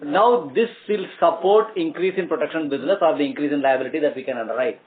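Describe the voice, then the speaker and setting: A man with an Indian accent answers as a company executive on an earnings call, explaining in a halting, measured way. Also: fairly high pitch. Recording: tinny phone-like conference line.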